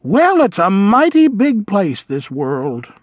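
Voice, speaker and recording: Old vole voice, as a man does it, fussy and apologetic, pitched way up, jumpy, takes his time. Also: wildly swooping pitch, slow, no echo, highs cut off, heavily acted. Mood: wistful. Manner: flustered, polite, old-fashioned phrasing. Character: elderly nearsighted male vole, fussy and apologetic. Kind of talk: audiobook character voice.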